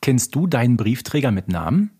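A man's voice: medium pitch, very animated, a little fast, dark tone, slightly rough. A man co-hosting a podcast, chatting casually and explaining bits of trivia and detail. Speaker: podcast co-host.

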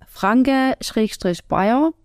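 A woman from the Erzgebirge with a Saxon accent, co-hosting a casual podcast chat from a home party room, talking with frequent fillers and pauses. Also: on the high side, expressive, no room sound, studio quality. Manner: chatty, hesitant with fillers, laughs easily. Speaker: podcast co-host.

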